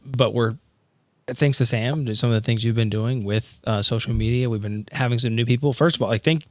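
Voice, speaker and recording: A man chatting casually as a podcast co-host, halting and repeating words as he goes. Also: mid-range voice, steady tone, no echo, studio quality. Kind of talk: casual chat.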